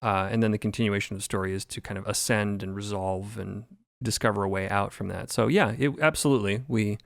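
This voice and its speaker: A man's voice: lowish voice, quick pace, creaky, no echo, clean studio sound. A man speaking emphatically and articulately in a roundtable discussion, with elaborate phrasing, as a podcast creator.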